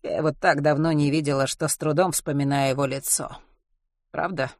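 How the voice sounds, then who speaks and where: A woman's voice: low voice, fairly even intonation, brisk, no room sound, studio quality. A woman reading an audiobook and voicing a fretful, tearful middle-aged mother who laments emphatically about her sons.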